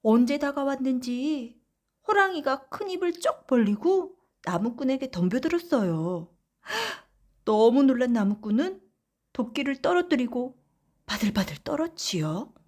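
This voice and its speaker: Slow, expressive woman storyteller. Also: high voice. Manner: storyteller addressing young listeners. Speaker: audiobook narrator. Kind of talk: expressive bedtime folktale narration.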